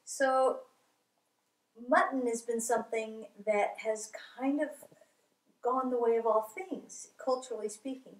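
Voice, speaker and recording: A woman interviewer asking slow, careful questions from off camera. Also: on the high side, echoey room, poor audio.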